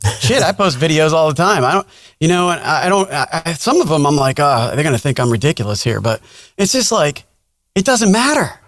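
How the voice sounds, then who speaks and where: A man with a fairly high voice hosts a casual podcast conversation. He talks informally and encouragingly, in an animated ramble. The sound is dry, with hardly any room in it. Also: brisk, no echo. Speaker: podcast host. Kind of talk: casual chat.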